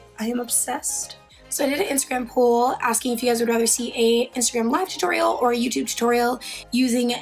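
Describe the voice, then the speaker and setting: A woman talks at a fairly quick pace in a fairly high pitch with ordinary pitch variation, with noticeable background noise behind her. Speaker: beauty vlogger. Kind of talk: tutorial. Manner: animated.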